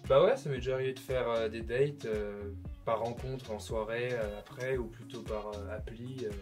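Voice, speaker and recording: A young man with a Swiss French accent chatting casually on a blind date, hesitant and full of filler pauses. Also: mid-range voice, fairly even intonation, darkish tone, faint music behind. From Switzerland. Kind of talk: casual chat.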